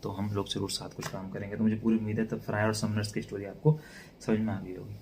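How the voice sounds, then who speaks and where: A man teaching a relaxed exam-prep lecture, mixing Hindi with English and speaking calmly and softly. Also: lowish voice, quick pace, a little hiss or hum. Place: indoors at night.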